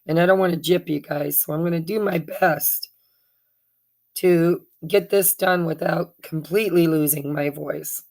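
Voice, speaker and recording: A woman with a rough, hoarse voice talks her way through a tarot reading. She speaks slowly in a lowish, gravelly tone. Her delivery is chatty and meandering, full of fillers and self-corrections. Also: steady tone, darkish tone. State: hoarse from allergies. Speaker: tarot reader. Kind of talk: casual tarot card reading.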